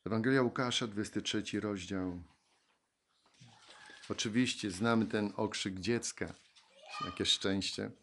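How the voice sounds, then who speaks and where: Slow, fervent male preacher. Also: lowish voice, a bit bright, slight background noise. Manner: slow, reflective, swelling into fervent exclamations. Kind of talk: sermon.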